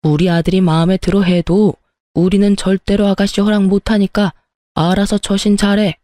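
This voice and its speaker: A woman's voice: mid-range voice, flat delivery, normal speed, warm tone, no echo, studio quality, natural voice. Woman doing a stern, scolding older father-in-law. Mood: cold.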